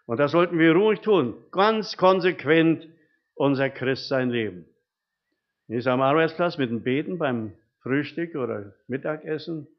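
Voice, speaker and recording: A man's voice: fairly high pitch, unhurried. An older man preaching a sermon, telling homely stories from his life and often tagging his sentences with rhetorical questions. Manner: folksy storytelling with frequent rhetorical tag questions. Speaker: lay preacher. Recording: dull, muffled recording.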